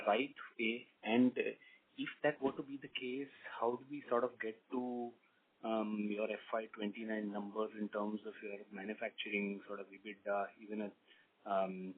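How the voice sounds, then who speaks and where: A man with a fairly low, husky voice comes through a narrow phone line. He asks questions on a conference call, thinking aloud and pausing as he works through his point. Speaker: analyst asking questions on an earnings call.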